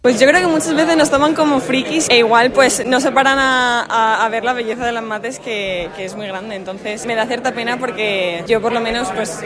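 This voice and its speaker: A woman's voice: fairly high pitch, moderate pace. A young woman university student from Elche, speaking in an interview soundbite, enthusiastic but hesitant. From Elche, Spain. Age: young adult. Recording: crowd chatter behind.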